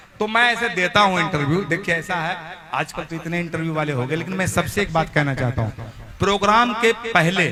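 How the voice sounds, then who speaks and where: Over noticeable background noise, a man talks in a high pitch. His tone is animated and his intonation lively. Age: 60s. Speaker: folk singer. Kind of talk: casual interview talk.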